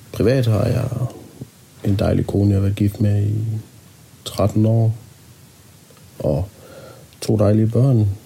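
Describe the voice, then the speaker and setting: A man's very slow speech, very even in loudness, with long, frequent pauses. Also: fairly low pitch for a man, fairly even intonation. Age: 40s. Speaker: podcaster and bricklayer. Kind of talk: casual solo monologue. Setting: home recording, poor microphone.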